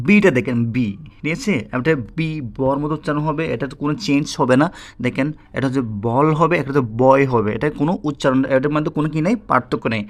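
A man with a Bangladeshi Bengali accent teaching a spoken English lesson. He repeats himself, talks straight to his viewers and keeps checking that they follow. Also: medium pitch. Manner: repetitive, checks in with "ঠিক আছে?"; addresses viewers directly.

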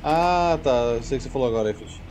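A young Brazilian gamer talks casually over faint game music. His mid-pitched voice moves up and down a lot as he drops slangy asides and mutters to himself. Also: expressive, rapid-fire, a little mellow. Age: young adult. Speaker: gaming streamer. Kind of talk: casual gameplay commentary.

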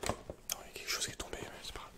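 A young man playing a guarded computer repairman and hacker in a halting, breathy whispered ASMR roleplay. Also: lightly acted. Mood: reserved, matter-of-fact. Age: young adult. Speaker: ASMR creator. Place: small indoor set, dark backdrop.

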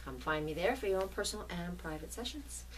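A woman's voice: fairly low pitch, lively intonation, brisk, slight background noise. A middle-aged woman with a New England accent, an astrologer giving a casual forecast and often checking in with her listeners. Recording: voice a bit distant from mic.

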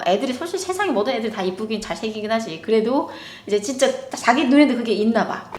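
A woman in her thirties from North Korea, a mother chatting emotionally with her viewers on a livestream. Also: mid-range voice. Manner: chatty and emotional, often laughs, addresses viewers. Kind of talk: casual livestream chat. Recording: roomy echo.

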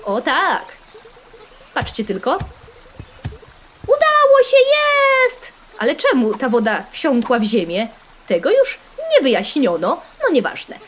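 A woman with a Polish accent narrates a browser game as she plays, playful and excitable. Her high voice leaps all over the place, full of sudden squeals and sing-song chants. A faint hiss of noise sits under the recording. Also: measured pace. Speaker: gaming channel host.

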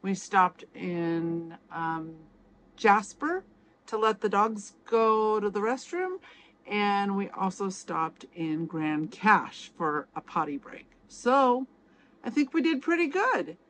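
A woman's voice: medium pitch, animated, slow pace, fairly bright tone, a little hiss or hum, low-quality recording. A woman in her forties, a travel vlogger, chatting casually to a phone held at arm's length outdoors and inside her RV. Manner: chatty, easygoing, talks to her dogs. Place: outdoors in a parking lot, then inside an RV. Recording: background music under the voice.

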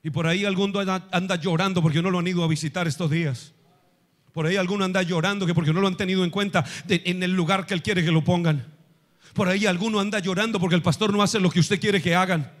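A male pastor preaching a sermon to his congregation, swinging from hushed asides to shouted passages. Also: high voice, steady tone, fast. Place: church with congregation.

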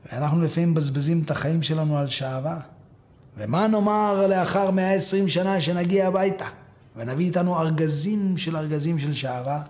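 A man giving a sermon, telling a parable with animated storytelling and addressing his listeners directly. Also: fairly high pitch. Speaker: preacher.

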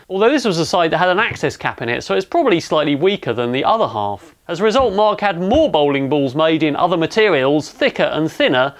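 A man in his thirties with an English accent, narrating his maker project in a matter-of-fact, technical way on a lapel mic. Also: fairly high pitch. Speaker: maker vlogger. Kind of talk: explanatory voice-over narration. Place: home robotics workshop in an attic. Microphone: clip-on lapel mic.

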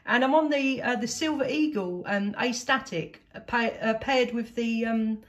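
A woman's voice: on the high side, normal speed, dull audio. A woman chatting casually and enthusiastically as a CB radio operator. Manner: enthusiastic, effusive. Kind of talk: casual radio contact chat. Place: indoors at a home radio set.

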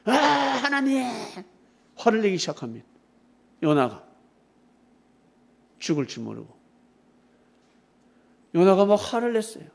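A man's voice: fairly high pitch, big pitch swings, a little slow, gravelly, long pauses, a little mellow. A man preaching to teenagers, retelling a Bible story playfully, calling on kids by name and teasing them with questions. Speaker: youth pastor.

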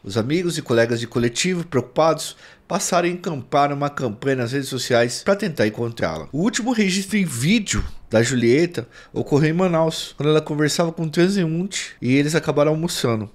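A man's voice: a little high, animated, fairly quick, few pauses. A man in his thirties hosting an online history channel, speaking earnestly to viewers in a small studio with a close mic. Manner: earnest, addresses viewers as "galera". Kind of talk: presenting a YouTube news segment. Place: small indoor studio set. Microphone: podcast mic on stand close in front.

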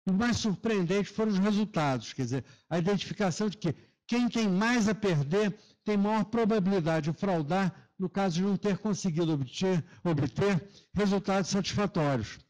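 A male lecturer speaks in a somewhat high voice with a Carioca accent from Rio de Janeiro. His s sounds come out as a hushing sh. He delivers a semi-formal academic talk, explaining points from slides. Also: normal speed, hardly any pauses, rough recording. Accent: Carioca (Rio de Janeiro) Brazilian Portuguese. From Rio de Janeiro, Brazil. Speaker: lecturer, professor. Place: lecture auditorium.

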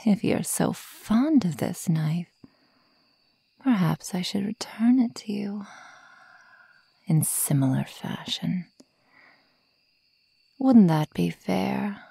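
A woman voicing a sadistic, predatory werewolf girl who taunts her prey in a breathy whisper, in an ASMR roleplay. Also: mid-range voice, lively intonation, dark tone, dry recording, full character voice. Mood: cold, threatening. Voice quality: breathy, mostly whispered, creaky. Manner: slow, taunting, menacing.

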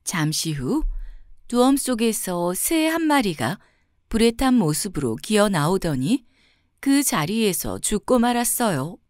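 A woman telling a folk tale as a bedtime storybook reading, in a soft, expressive way. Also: medium pitch, measured pace, no echo, studio quality.

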